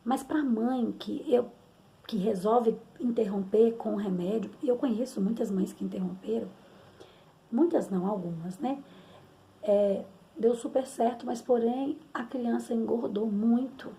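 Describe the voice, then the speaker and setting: A woman's voice: a little high, a little slow, gravelly, dark tone. A middle-aged woman with a Brazilian Portuguese accent, telling a personal story as a mother in a candid, rambling, conversational way, often tagging her sentences with questions.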